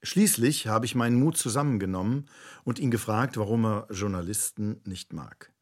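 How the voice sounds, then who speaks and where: A man reading scripted narration for a radio play in a measured, literary way. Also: fairly low pitch, husky.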